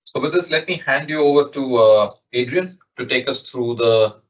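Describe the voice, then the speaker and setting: A man presenting financial results on an earnings call in a brisk, businesslike, halting way. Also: mid-range voice. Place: conference call. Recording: dull, lo-fi conference call audio.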